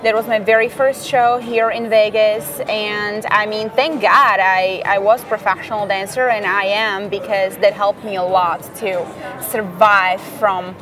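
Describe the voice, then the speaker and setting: A young woman speaks English with a Slovak accent in a chatty, loose interview style. She reaches for words now and then, and her pitch sits mid-range. Music plays clearly behind her in a hotel lounge. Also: steady tone, measured pace. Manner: chatty, non-native phrasing, searches for words. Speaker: guest. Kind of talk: casual interview chat.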